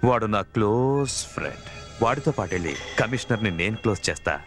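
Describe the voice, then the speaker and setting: An actor playing a cool, defiant gangster in an action film drama. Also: male voice, on the low side, lively intonation, fairly quick, music in the background. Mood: cool, determined.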